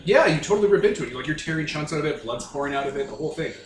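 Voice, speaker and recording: A man's voice: a little high, expressive, very fast. A man acting as game master, improvising narration and banter in a casual, emphatic way. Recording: roomy echo, off-mic, music underneath. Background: music.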